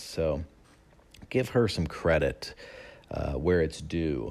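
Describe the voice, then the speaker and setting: Lively intonation runs through this man's speech. He talks with an American accent. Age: 40s. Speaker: podcast host. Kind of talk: personal storytelling monologue. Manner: hesitant, frequent filler words.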